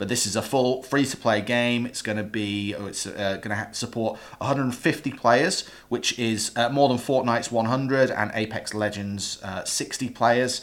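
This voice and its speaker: The speaker uses an ordinary speaking voice with fairly even intonation at a fairly slow pace. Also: man, medium pitch for a man. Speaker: podcast host. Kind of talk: casual interview chat. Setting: host's living room, also live-streamed.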